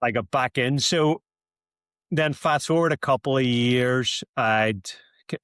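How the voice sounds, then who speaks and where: A man's voice: mid-range voice, takes it slowly, a bit bright, clear, resonant tone, no room sound, clean studio sound. A man, chatting as a coaching client, hesitant with many ums and restarts. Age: 30s. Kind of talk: casual chat on a call.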